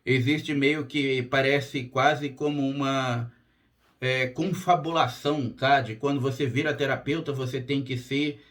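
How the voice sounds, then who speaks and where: His voice hoarse and strained, with a rasp that breaks at times, a spiritual therapist and channel host addresses his viewers in a casual monologue to camera. The mid-pitched delivery is a little slow, fairly even in intonation and a bit bright, and he's plain-spoken throughout, with frequent "tá?" check-ins.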